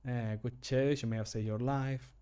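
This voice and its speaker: A man's voice: mid-range voice, steady tone, moderate pace, dark tone, smooth, natural voice. Man acting as stern fantasy game guard. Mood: stern, scolding. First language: Spanish.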